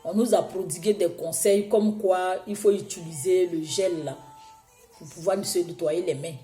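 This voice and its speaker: A woman preaching a sermon, hoarse from a cold, exhorting her listeners with emphatic repetition. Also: fairly low pitch, fairly even intonation, normal speed, warm tone, reverberant, soft background music.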